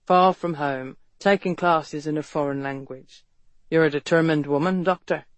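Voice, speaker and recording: A man's voice: fairly high pitch, steady tone, normal speed, no room sound, close to an everyday voice. An actor playing a bold, protective Victorian London man who talks matter-of-factly and turns coaxing and flirtatious. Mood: admiring.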